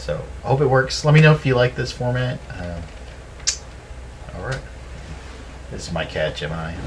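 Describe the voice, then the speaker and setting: A man speaks quietly at a moderate pace, with long, frequent pauses and big swings in loudness. Audible room echo and noticeable background noise fill the recording. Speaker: artist. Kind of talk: casual drawing tutorial. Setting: at home.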